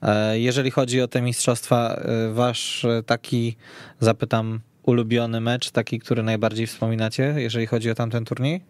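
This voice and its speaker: A man hosting a sports discussion on a radio show, phrasing things hesitantly with frequent pauses. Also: medium pitch, little pitch movement, no room sound. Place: radio studio.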